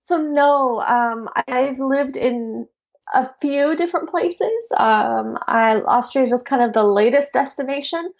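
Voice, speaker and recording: A woman from Iraq chats with a relaxed ease as a guest on a podcast. Her voice has a gravelly fry, and she comes through a slightly dull internet call. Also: high voice, a little slow. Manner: relaxed, laughs easily, uses fillers. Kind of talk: casual interview chat. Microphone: video call over the internet.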